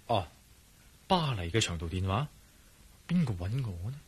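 An actor voicing a calm, curious male investigator in a Cantonese radio drama, speaking in a measured, musing way. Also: fairly low pitch, slightly rough, heavily acted. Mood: conversational. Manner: musing inner monologue, measured. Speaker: lead character.

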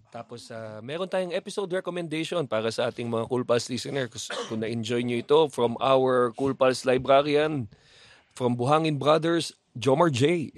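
A man's voice: mid-range voice, normal speed, no room sound. A man, a podcast host promoting an event with hesitant fillers. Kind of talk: casual podcast chat.

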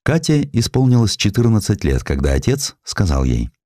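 Male audiobook narrator for historical prose: low register, lively intonation, measured storytelling, close dry sound. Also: no room sound. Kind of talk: scripted literary narration of a historical sketch.

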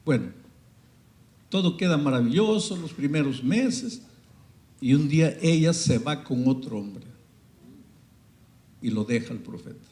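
A man's voice: medium pitch, lively intonation, measured pace, long pauses. Dramatic preaching man in an echoing hall. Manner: dramatic preaching, swinging from loud peaks to hushed storytelling. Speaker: pastor. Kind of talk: sermon.

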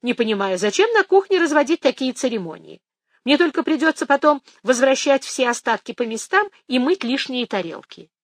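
A defiant, headstrong young woman, read aloud by a woman. Her cheeky lines bounce with an animated pitch. The recording is close and dry. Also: brisk, dry recording.

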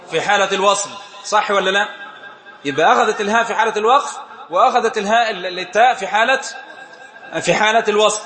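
High-voiced Egyptian sheikh in an echoey room. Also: male voice, a bit bright. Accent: Egyptian Arabic. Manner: questioning the audience, laughing often. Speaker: sheikh teaching a religious study circle. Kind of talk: informal religious lesson.

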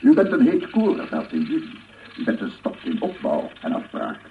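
A narrow, noisy old radio play recording carries a paranoid man obsessed with sound. His voice is low and gravelly. He mutters bitterly to himself, repeats his words and swells into theatrical proclamations. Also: wildly swooping pitch, normal speed, full character voice. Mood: fanatical proclaiming. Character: paranoid, obsessive male amateur sound researcher, unhinged and embittered. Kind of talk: radio drama monologue.

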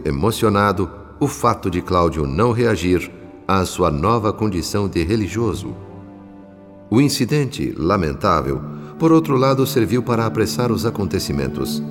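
A man with a Brazilian accent narrating a radio soap opera in a dramatic, scripted style. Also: deep voice. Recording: long reverb, music behind.

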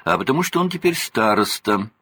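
A proud, bossy mother, voiced by a man reading aloud who scolds and fusses over her brood. The voice sits a little higher than his own, with a husky grain. The sound is close and dry. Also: big pitch swings, fairly quick, sharp tone, no room sound, heavily acted. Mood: stern. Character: fussy, proud mother of many children, strict.

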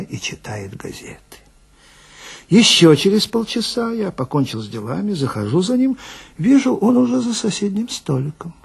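A man telling a story in dramatic radio style, expressive and wry. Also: medium pitch, vocal fry, breathy edge. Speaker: storyteller, actor.

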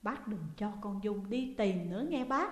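A woman's voice: mid-range voice, expressive, normal speed, lightly acted. A woman with a Southern Vietnamese accent voicing a young schoolgirl friend who urgently confides a worry in an audio story, recorded in an echoey room. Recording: echoey room with long reverb.

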